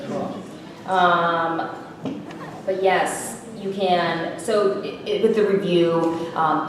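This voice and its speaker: Brief: woman software presenter, casual, halting, lots of "um", slightly low voice, echoey room from a distance. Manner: casual, hesitant, many fillers and restarts. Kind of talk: conference presentation with audience questions. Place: conference room. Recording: echoey room, mic far off, faint noise.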